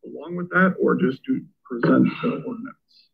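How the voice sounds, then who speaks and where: Gravelly, husky man explaining to a council. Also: medium pitch. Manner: explains step by step, halting. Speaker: chief presenting to council. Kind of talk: meeting discussion. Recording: thin phone-like meeting audio.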